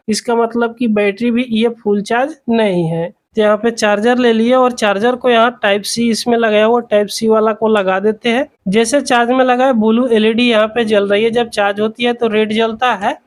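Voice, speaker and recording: A person explaining a repair step by step in an instructional, repetitive way, as the host of a tutorial. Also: mid-range voice.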